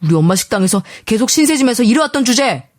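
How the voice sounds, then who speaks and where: A woman voicing a defensive, angry husband who takes his mother's side, speaking lower than her own voice in a dry recording. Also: fairly quick, darkish tone, no echo, close to an everyday voice. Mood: resentful. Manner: aggrieved, accusing.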